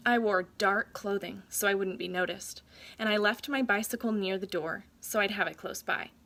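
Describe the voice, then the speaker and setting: A woman reading a children's story aloud like a teacher, with deliberate, dramatic phrasing for young listeners. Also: mid-range voice, a bit bright, slight background noise.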